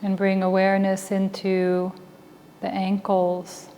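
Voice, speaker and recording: A woman leading a guided meditation as a teacher, speaking calmly and deliberately in short phrases with long pauses. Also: mid-range voice. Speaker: meditation teacher and Buddhist chaplain. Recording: reverberant hall with faint background noise.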